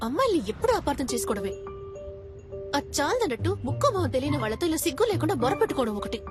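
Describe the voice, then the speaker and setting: A woman's voice: sits high, sing-song, rapid-fire. A woman playing a fiery young woman who scolds and mocks with sarcasm. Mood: scornful. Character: fiery young woman, sharp-tongued and indignant. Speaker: Nisha, the fiancée. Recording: film soundtrack with music.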